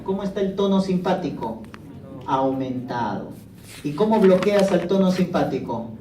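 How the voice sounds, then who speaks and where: A man's voice: on the high side, mellow, distant mic, a little hiss or hum. A man giving a pharmacology lecture in a classroom, asking the students questions and answering them himself. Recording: echoey classroom, voice from afar.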